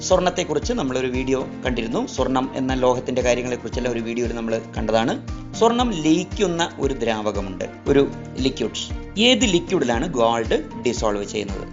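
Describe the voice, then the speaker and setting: A man's voice: mid-range voice, lively intonation. A man running a chemistry quiz lesson, who repeats each question and mixes languages as he coaxes listeners toward the answer. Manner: repeats each question, switches between languages, coaxing pauses. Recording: roomy, slightly dull sound with faint music.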